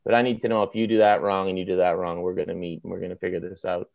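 A man's voice: sits low, level tone, racing, creaky, no room sound, lo-fi sound. A man with a Maritime Canadian accent chatting about sports as a guest, in an emphatic, colloquial, opinionated way with punchy short phrases. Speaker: author and podcast guest. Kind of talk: animated opinionated sports chat.

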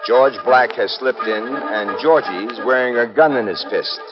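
A man's voice: medium pitch, a little slow, natural voice. A man playing a wisecracking hardboiled private eye. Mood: cool. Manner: wisecracking, clipped tough-guy delivery. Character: hardboiled male private eye narrator, wry and tough. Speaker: detective lead and narrator. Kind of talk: 1950s radio drama acting. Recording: muffled old radio transcription with music.

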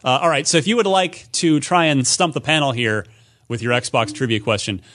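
A man's voice: medium pitch, normal speed, fairly bright tone. A man hosting a casual gaming panel show, talking in a teasing, conversational way. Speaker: podcast host and quizmaster.

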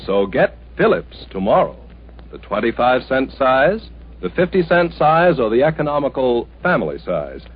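An American man reading a chipper 1950s radio advertisement as announcer, in an emphatic, measured sales pitch. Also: very animated, breathy edge. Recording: muffled old radio broadcast, faint music.

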